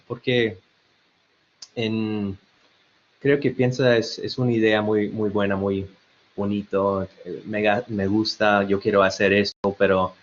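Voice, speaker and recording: A man with an American-tinged Spanish accent giving an online webinar presentation, hesitant with many fillers and restarts. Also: lowish voice. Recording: dull lo-fi web call audio.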